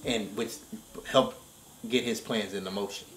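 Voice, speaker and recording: A man giving casual commentary in a discussion, explaining his points and often checking in with a quick "right?". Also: fairly low pitch, fairly even intonation, fairly bright tone, slight background noise, low-quality recording. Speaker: reaction show commentator. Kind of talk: casual discussion of game story.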